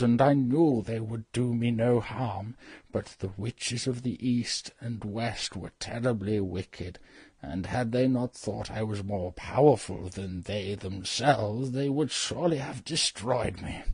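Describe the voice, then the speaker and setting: A man's voice: mid-range voice, a little mellow, husky, no room sound. A man voicing a sheepish old male humbug wizard in a dramatized audiobook reading, apologetic and coaxing in manner. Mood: confessing.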